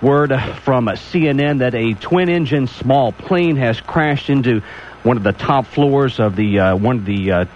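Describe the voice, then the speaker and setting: A man reads a breaking news bulletin as a local radio anchor, calm and measured, with a few small restarts. His voice comes through tinny and muffled, like a clock radio, with the top end rolled off and a faint hiss underneath. His pitch sits in an ordinary middle range.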